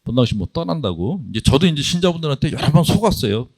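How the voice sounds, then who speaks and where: A man's voice: on the high side, big pitch swings, fast, darkish tone. A middle-aged man, a Catholic priest, giving a humorous spiritual talk full of anecdotes and jokes for an audience. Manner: joking, anecdotal storytelling to an audience.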